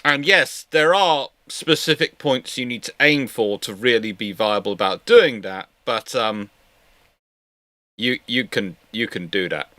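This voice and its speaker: A man in casual live-stream discussion, speaking haltingly and often repeating and restarting his phrases. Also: medium pitch, pushed and bright, no room sound. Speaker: host of a live history Q&A stream.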